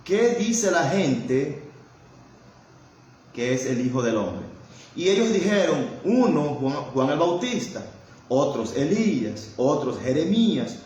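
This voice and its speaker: A man's voice: a little high, very animated, takes it slowly, darkish tone. A man preaching a sermon who keeps adding amén and invocations of Jesus, and often stalls and repeats words while he searches for them. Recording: very echoey room with faint background noise.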